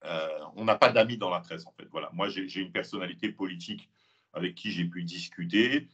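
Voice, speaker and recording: Low husky man, slow and hesitant. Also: pushed and bright. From France, Île-de-France. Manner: measured, many hesitations and filler sounds. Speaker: guest, police officer and author. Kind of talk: interview answers. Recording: dull lo-fi sound.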